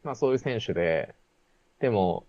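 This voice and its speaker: A man's voice: fairly low pitch, lively intonation, moderate pace, a little mellow, no echo. A man telling a personal story in casual chat, with many fillers and restarts. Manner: rambling storytelling with frequent fillers. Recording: dull lo-fi sound.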